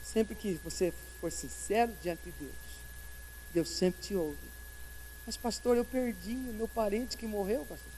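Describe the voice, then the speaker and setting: Very high-voiced Brazilian male preacher. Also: measured pace, slight background noise. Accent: Brazilian Portuguese. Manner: impassioned, swinging between soft and loud. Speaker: guest pastor. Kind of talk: sermon. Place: church sanctuary. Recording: long church-hall reverb.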